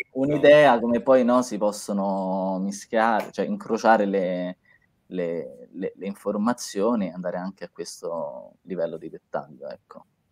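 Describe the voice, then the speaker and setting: Speaking at a fairly slow pace, a man makes big swings in loudness. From Rome, Italy. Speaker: doctoral researcher in political economy. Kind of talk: interview. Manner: halting, with many repetitions. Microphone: video call.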